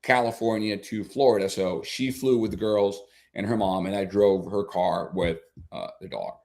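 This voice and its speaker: Male sports broadcaster, Spanish native, lowish voice, halting casual delivery with lots of restarts. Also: fairly even intonation, darkish tone. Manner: halting, many restarts and fillers. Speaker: soccer broadcaster, guest. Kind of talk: casual radio chat.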